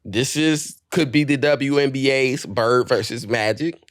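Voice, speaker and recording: A man co-hosting a podcast in casual chat, telling stories with profanity and quick voiced asides. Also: mid-range voice, dry recording, studio quality. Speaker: podcast co-host.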